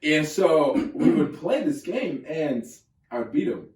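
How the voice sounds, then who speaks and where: Man, casual podcast chat, lively storyteller, slightly high pitch, echoey room, distant mic. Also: slow pace. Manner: animated storyteller, acts out shouted quotes. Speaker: podcast co-host.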